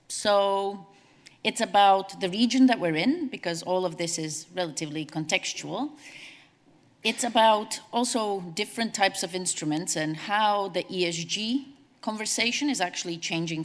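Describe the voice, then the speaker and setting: A woman from Latvia, giving a brisk, conversational conference presentation as a CEO. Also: medium pitch, lively intonation. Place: large conference hall. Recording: long hall reverb.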